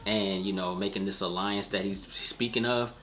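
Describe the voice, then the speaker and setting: A man with a fairly low voice chats loosely and in slang as a co-commentator. He often checks that he is understood, with slight noise behind him. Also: fairly even intonation, normal speed, fairly bright tone. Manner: informal, often asks "you know what I'm saying". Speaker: reaction show commentator. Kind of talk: casual chat, slangy.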